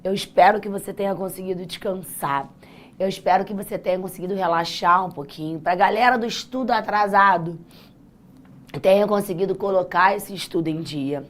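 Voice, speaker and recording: Brazilian lady teacher, raspy and hoarse, chatting to her students live, pep talk style. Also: mid-range voice, brisk. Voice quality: naturally husky, raspy. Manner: chatty, encouraging, addresses students directly. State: hoarse, voice worn out. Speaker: chemistry teacher hosting a live exam-prep class. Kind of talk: live online lesson, informal pep talk.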